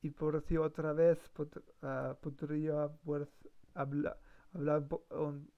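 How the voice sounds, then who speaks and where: A man's voice: a little high, level tone, slow, vocal fry. A man practicing on a live stream, hesitant, full of fillers and self-corrections. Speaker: language learner streamer. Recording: dull lo-fi stream mic.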